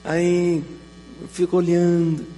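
A man's voice: high-pitched, completely flat delivery, slow, dark tone. A male pastor with a Brazilian accent preaching a sermon, emphatic and full of repeated rhetorical questions. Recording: reverberant hall with faint mains hum.

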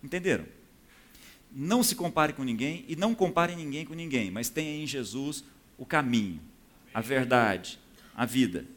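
A man's voice: mid-range voice, expressive, normal speed. Man preaching a conversational sermon. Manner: conversational, often checks in with the audience. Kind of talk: sermon teaching from scripture.

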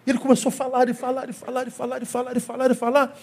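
A man's voice: extremely high pitch, monotone, rapid-fire, darkish tone. A man with a Brazilian Portuguese accent, a pastor preaching a sermon and telling a story with acted-out dialogue and lots of repetition. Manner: storytelling, acts out dialogue, repeats phrases.

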